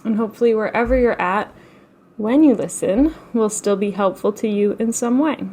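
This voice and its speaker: A woman leading a guided relaxation as a meditation teacher, speaking in a gentle, unhurried, soothing way with long pauses. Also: mid-range voice, slightly rough. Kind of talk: guided meditation, slow instruction.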